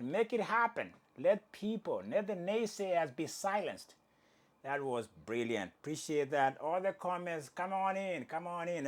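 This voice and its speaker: A man hosting a casual sports commentary show, with Swahili as his first language, joking and correcting himself as he talks. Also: high voice. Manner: animated, jokey, self-correcting. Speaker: host.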